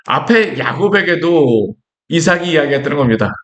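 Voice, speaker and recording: A male pastor preaches a sermon with a somewhat high voice. He talks in a conversational way, keeps asking his listeners rhetorical questions, and acts out the lines he quotes from scripture. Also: animated, normal speed, a bit bright.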